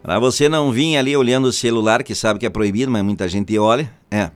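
A man's voice: medium pitch, quick pace, faint music behind. A man with a Rio Grande do Sul accent hosting a morning radio show, folksy and joking. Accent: Rio Grande do Sul Portuguese. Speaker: radio host.

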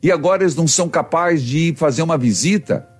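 A man's voice: a little high, animated, fast talker, breathy edge, faint music behind. A man with a Brazilian accent, a priest hosting a religious call-in radio show, talking in a pastoral, exhorting way.

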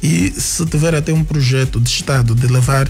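A man, a radio guest answering questions thoughtfully with many pauses, fillers and restarts. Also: medium pitch, gravelly, darkish tone, soft background music. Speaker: guest writer.

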